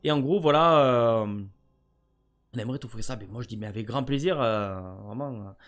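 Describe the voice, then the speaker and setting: A French gaming vlogger with a mid-range voice talks at normal speed to the camera about a gift. He chats casually, often rambling and stammering over his words.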